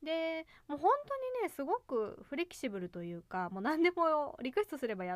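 The woman's moderate-paced speech has a dry, close sound with no echo. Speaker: podcast host. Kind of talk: casual solo talk.

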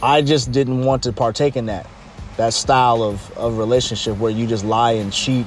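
A man speaks at a moderate pace in an animated, energetic tone, with noticeable background noise. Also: medium pitch for a man. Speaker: podcast host. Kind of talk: casual solo podcast monologue. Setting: outdoors by the ocean. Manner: animated, energetic, conversational; shaky, stuttering.

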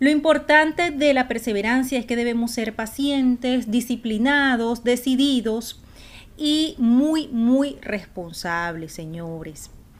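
Her intonation lively and her pitch fairly high, a woman with a Venezuelan accent speaks at a very slow pace. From Venezuela, La Guaira. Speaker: podcast host, former bank worker. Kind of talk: motivational talk. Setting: live stream.

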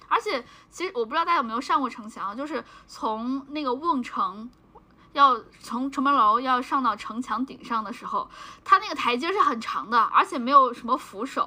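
With a bright, sharp tone and a raised, projected voice, a woman speaks high-pitched and animated at a moderate pace, her intonation lively and her loudness swinging widely. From China, Xi'an (Shaanxi). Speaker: podcast co-host. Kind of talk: casual chat. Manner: animated, frequent laughter.

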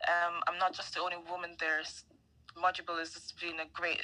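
With a Dublin accent, a woman speaks in a flat monotone over noticeable background noise. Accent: Dublin Irish. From Ireland, Dublin. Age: 20s. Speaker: technical architect and pageant contestant. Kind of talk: podcast interview.

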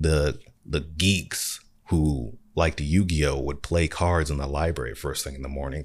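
A man's very deep, low voice with vocal fry and an American accent, at a moderate pace with fairly even intonation, in a very clean recording with a silent background. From United States. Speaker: artist and YouTuber. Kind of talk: monologue video essay. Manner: soft-spoken.

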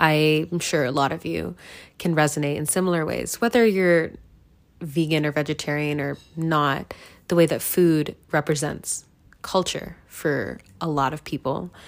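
Very clean and set against a silent background, the recording captures a woman with a very deep, low pitch and a General American accent. She talks at a moderate pace with ordinary pitch variation. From United States, Indian immigrant family. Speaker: podcast host. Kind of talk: solo podcast monologue.

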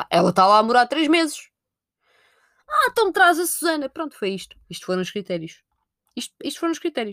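A woman with a high pitch talks at a fairly quick pace in an animated tone, her pitch swinging very widely and her loudness shifting greatly, with long, frequent pauses and a dry, close sound free of echo. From Portugal, Amadora (Lisbon area). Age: 20s. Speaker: podcast host, political science student. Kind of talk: casual solo commentary. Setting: bedroom. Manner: animated, laughing.

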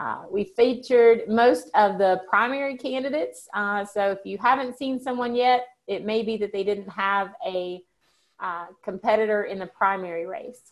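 A woman's fairly high voice, a normal speaking voice, with ordinary pitch variation and a moderate pace on a very clean recording with a silent background. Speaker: podcast host. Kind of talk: interview.

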